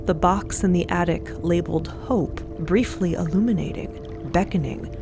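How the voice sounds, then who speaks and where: A woman's voice: lowish voice, normal speed, vocal fry, over music. A woman narrating a scripted fantasy audio drama as a descriptive storyteller.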